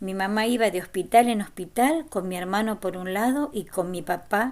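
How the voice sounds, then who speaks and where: A woman speaks at a fairly slow pace and a medium pitch, in a normal speaking voice. The recording is very clean, with a silent background. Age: 60s. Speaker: church member. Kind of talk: testimony.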